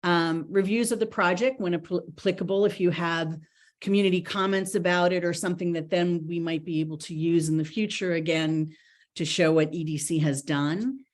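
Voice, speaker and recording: A woman's voice: on the low side, steady tone, moderate pace. A woman presenting a grant report to a board in an online meeting, chatty with many ums and restarts. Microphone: video call.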